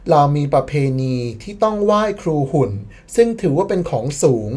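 Playful woman narrating history, mellow voice. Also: on the low side, expressive, moderate pace. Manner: playful, sarcastic, exclaims in mock disbelief. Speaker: channel admin narrating history commentary. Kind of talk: scripted voice-over narration.

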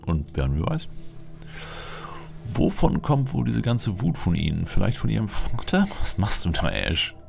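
Male gamer, casual roleplay commentary, fry-heavy voice, lively swings in pitch, self-questioning. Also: unhurried. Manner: musing aloud, asking himself questions. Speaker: let's player. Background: game music.

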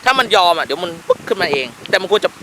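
A man's voice: high voice, lively intonation, rapid-fire, heavy background noise. A man working as a dog trainer, coaching an owner outdoors with firm, short commands and explanations. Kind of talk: on-location dog training instruction.

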